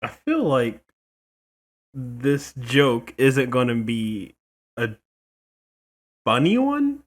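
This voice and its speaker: A man's voice: medium pitch, big pitch swings, drawn-out words. A man hosting a gaming video, giving casual, slangy playthrough commentary and often repeating himself.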